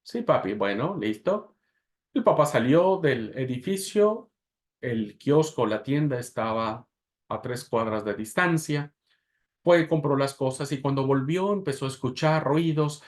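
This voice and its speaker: A man teaching a class on expository preaching, telling a story dramatically with pauses and swings in loudness, then putting questions to the class. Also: medium pitch. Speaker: preaching instructor.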